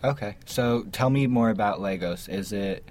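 A man's voice: fairly low pitch, normal speed, darkish tone. A man hosting an interview in a casual, informal way, feeling his way through questions. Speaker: interview host.

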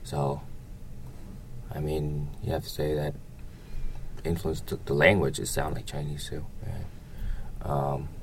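A man from Vietnam, answering interview questions casually and haltingly, often hedging with "you know" and "like". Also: a bass voice, little pitch movement, slight background noise.

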